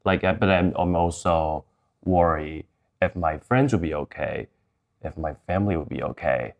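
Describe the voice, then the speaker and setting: Deep-voiced man, candid storyteller. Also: moderate pace, gravelly, muffled recording. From Taiwan, moved to Chicago. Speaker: interview guest.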